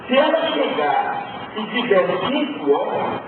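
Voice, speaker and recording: A provocative male lecturer with a fairly high voice, pressing his students with emphatic rhetorical questions. He is heard from far off in a big hall with a long, heavy echo, through a thin, phone-like recording with loud ambience behind him. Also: big pitch swings, a little slow, noisy background. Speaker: teacher. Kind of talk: spiritual lecture to a class.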